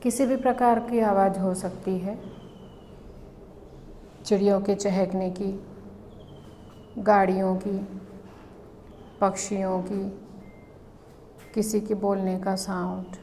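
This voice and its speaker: A woman leads a guided meditation as an instructor, calmly giving instructions in short phrases with long pauses. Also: mid-range voice, a little hiss or hum.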